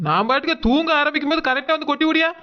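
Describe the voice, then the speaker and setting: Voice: high-pitched, very fast, lo-fi sound, natural voice. A performer voicing a quarrelsome, scolding village woman in a cartoon, combative, with a southern Tamil Nadu accent. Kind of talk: Tamil cartoon character dialogue.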